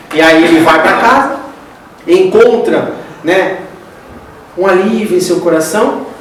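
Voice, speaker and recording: In a lecture hall, a man with a Brazilian Portuguese accent delivers a conversational spiritist talk, a religious lecture in which he frequently addresses listeners directly as "gente." His voice sits on the high side, captured by a distant mic with hall echo and slight background noise.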